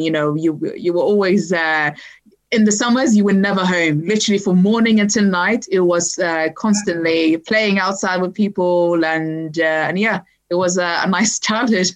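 A young woman with a slightly low voice chats easily as a podcast guest. She was born in Libya and grew up in Sweden. Her talk is full of "like" and "you know", restarts and small laughs. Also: lo-fi sound. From Libya, raised in Sweden. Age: young adult. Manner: chatty, many fillers and restarts, laughs lightly. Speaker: podcast guest, writer and activist. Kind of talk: casual interview chat.

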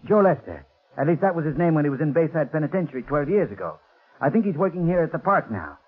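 A man playing an anxious, hurried former prison guard in 1940s radio drama style. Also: a little high, very animated, husky. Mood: urgent, anxious. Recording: muffled, phone-like 1940s radio recording.

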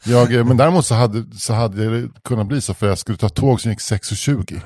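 A man's voice: medium pitch, darkish tone, no echo, clean studio sound. A man on a podcast telling a long anecdote in a casual, rambling way, often restarting sentences and swearing casually. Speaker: podcast co-host.

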